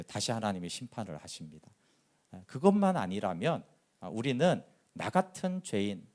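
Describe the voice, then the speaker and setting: A male pastor delivering a sermon, his pitch rising and falling widely as he acts out the characters in his story. He keeps turning to the congregation with questions to draw them in. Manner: animated storytelling, acting out quoted voices.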